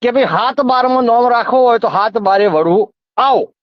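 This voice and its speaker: A man's voice: very high-pitched, moderate pace, dry recording. A man with a rural North Gujarati accent, explaining and recounting insistently in a phone conversation. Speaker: community organiser. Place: phone call. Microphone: telephone. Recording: muffled recorded phone call.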